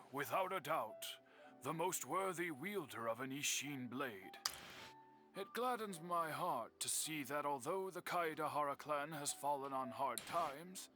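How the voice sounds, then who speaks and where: A proud older swordsmith. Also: male voice, a little high. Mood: earnest. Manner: formal, measured and earnest. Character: older male swordsmith, proud, measured and worried. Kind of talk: video game voice acting. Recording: game score playing behind.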